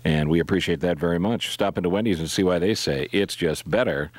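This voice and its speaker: A man's voice: low-pitched, brisk, no room sound. A middle-aged man hosting talk radio in a casual, joking, conversational way, close on a studio microphone. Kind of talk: casual live radio banter. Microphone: close broadcast microphone on boom.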